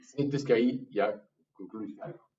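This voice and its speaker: A man with a Mexican accent, a music workshop teacher patiently coaching a student through a vocal improvisation exercise in halting, encouraging phrases. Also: medium pitch, dark tone. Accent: Mexican Spanish. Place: university music classroom. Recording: dull, distant room recording with faint noise.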